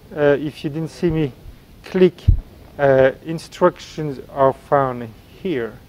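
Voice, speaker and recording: A man talks at a very slow pace, with long, frequent pauses. There is noticeable background noise. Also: fairly high pitch for a man, ordinary pitch variation. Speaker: workshop instructor. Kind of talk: tutorial.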